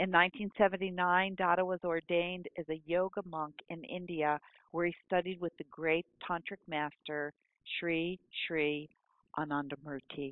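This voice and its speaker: Speaking at a moderate pace, a woman has a normal speaking voice, fairly low in pitch with fairly even intonation. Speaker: podcast host. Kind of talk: guest introduction read.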